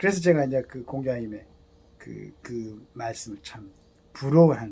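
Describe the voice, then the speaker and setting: This man talks at a moderate pace in a medium pitch, his loudness swinging widely. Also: lively intonation. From Jeolla region, South Korea. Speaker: YouTube commentator. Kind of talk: solo commentary monologue. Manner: hesitant, many filler words.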